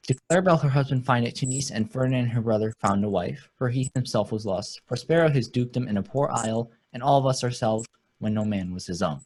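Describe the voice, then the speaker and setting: A man with a husky voice playing a pious, wordy royal counsellor in a Shakespeare radio play. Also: medium pitch, quick pace, a little mellow, slight background noise, close to an everyday voice, low-quality recording. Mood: reverent, joyful.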